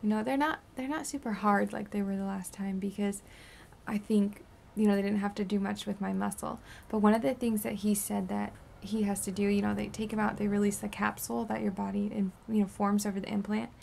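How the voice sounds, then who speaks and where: Brief: worn-out twenties woman, heavy vocal fry, raspy sore throat, rambling vlog update. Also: medium pitch, flat delivery, fairly quick, a little hiss or hum. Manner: rambling, drifting into soft whispers. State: tired and sore after surgery. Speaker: beauty vlogger. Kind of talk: casual post-surgery update vlog.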